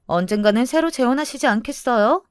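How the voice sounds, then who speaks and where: A woman's voice: a little high, a little fast, smooth, no room sound, studio quality, pitched above the performer's own voice, lightly acted. A woman voicing a pushy, meddling young sister-in-law in a dramatized story, needling with false concern. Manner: needling, nagging.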